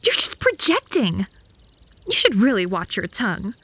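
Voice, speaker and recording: A woman's voice: medium pitch, wildly swooping pitch, moderate pace, bright, forceful tone, slight background noise, heavily acted. A woman playing a possessive, lovesick, bratty vampire in a comedic ASMR roleplay, haughty and theatrical, by turns flirty and threatening.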